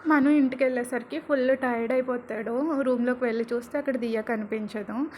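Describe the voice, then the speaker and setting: A woman's voice: on the high side, brisk, a little hiss or hum. A woman reading a serial story aloud, raising her voice for the characters' lines. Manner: animated, voices rising and louder for characters' lines.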